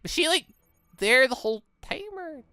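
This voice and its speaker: A man doing let's play commentary on a game, with animated, rambling asides. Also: extremely high pitch, normal speed, clean tone, dry recording, studio quality. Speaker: gaming YouTuber, let's player. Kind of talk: let's play commentary with dramatic read-aloud.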